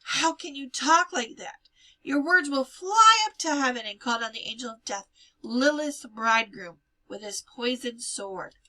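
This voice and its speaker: A woman's voice: sits high, expressive, unhurried, pushed and bright, voice pushed up, full character voice, rough recording. Woman playing an anxious, plaintive young bride. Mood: sharp, fearful.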